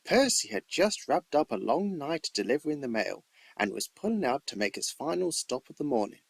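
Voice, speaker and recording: Amateur guy narrating a kids story, really animated, bit husky, dry close sound. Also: on the high side, moderate pace, no room sound.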